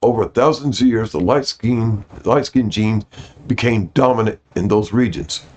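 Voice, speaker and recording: A man's voice: on the low side, normal speed, a little mellow, slight background noise. A man reading aloud to his viewers in an informal way, stumbling over some words and correcting himself. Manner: apologetic about his pronunciation. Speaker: host reading out notes to viewers. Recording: dull lo-fi audio.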